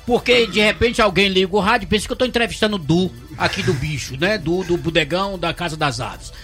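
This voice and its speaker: A man's voice: high-pitched, fast talker, soft background music. A man hosting a casual radio interview, chatty and joking as he asks questions. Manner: chatty, jokey, lively questioning.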